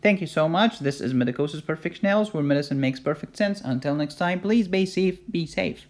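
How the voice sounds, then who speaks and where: A man's voice: on the high side, lively intonation, a little fast, darkish tone. A man from Egypt with an Egyptian accent, teaching a medical lecture as a voice-over and making his points with jokes and rhetorical questions. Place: voice-over recorded for a drawn lecture video.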